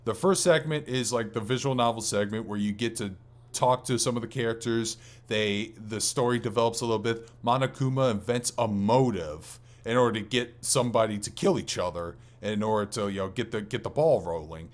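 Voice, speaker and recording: A man's voice: fairly low pitch, brisk. A man co-hosting a casual gaming podcast, speaking in an informal, rambling, enthusiastic way. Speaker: podcast co-host.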